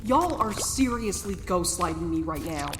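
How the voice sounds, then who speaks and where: A woman's voice: on the low side, animated, normal speed, background noise, close to an everyday voice. A woman acting a sarcastic, anxious, grumbling reluctant explorer in a naturalistic audio drama, with a dry, complaining delivery. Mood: uneasy, annoyed.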